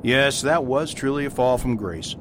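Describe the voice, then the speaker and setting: A man's voice: moderate pace, natural voice. A man playing a mild, polite but persistent Catholic priest in a radio play, with formal, courteous speech. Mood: flattering. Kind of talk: amateur radio play acting. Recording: faint background rumble.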